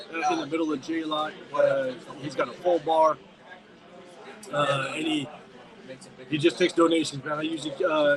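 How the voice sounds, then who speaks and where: Noticeable background noise sits behind a man with an American accent and a fairly high pitch. He speaks at a moderate pace in a monotone, flat intonation, with long, frequent pauses. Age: 40s. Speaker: sports YouTuber. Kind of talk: live stream commentary. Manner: casual, filler-heavy.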